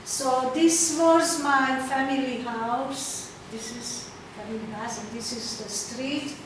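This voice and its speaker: At an exhibition opening, an older artist presents her work through a slideshow, speaking haltingly with many fillers as she hunts for words. She is from Czechoslovakia, a native Hungarian speaker with a high-pitched voice, and she sounds distant in a noisy hall full of echo.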